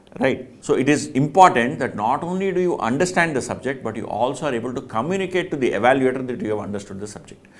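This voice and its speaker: A man with an Indian accent, speaking at a fairly quick pace with lively intonation. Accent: Indian English (Telugu). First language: Telugu. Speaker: CA exam teacher, edtech co-founder. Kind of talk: talk to students. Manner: earnest, persuasive.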